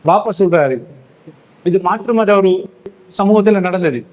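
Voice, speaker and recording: A man's voice: sits high, measured pace, a little mellow, poor audio. A man who preaches a sermon to young men, telling stories and answering his own questions. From Sri Lanka. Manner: storytelling, asks questions and answers them himself.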